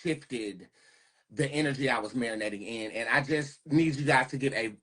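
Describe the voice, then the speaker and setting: A man's voice: mid-range voice, moderate pace, a bit bright, breathy edge, poor audio. A man from North Carolina, chatting casually as a livestream host in a sassy, profane, conspiratorial way. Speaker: host, tarot reader.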